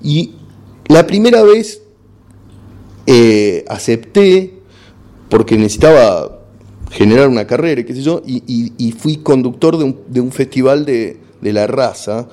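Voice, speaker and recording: A man's voice: mid-range voice, lively intonation, a little slow, dark tone. A middle-aged Argentine man, a stand-up comedian, talking frankly in an interview and often restarting words as he searches for them. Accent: Argentine Spanish. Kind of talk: casual interview chat.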